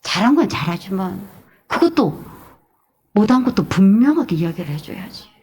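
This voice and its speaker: Animated woman pastor preaching a sermon. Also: mid-range voice, moderate pace, husky. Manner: animated, shifts between shouting and hushed asides.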